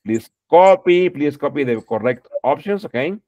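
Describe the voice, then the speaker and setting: A man's voice: on the high side, expressive, moderate pace, dark tone, no echo. A middle-aged man teaching English online, correcting students patiently and repeating "okay" through a headset. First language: Spanish. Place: home room, indoors.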